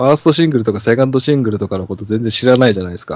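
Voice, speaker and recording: A man's voice at a medium pitch. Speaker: podcast host. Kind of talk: casual chat. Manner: filler-heavy, halting.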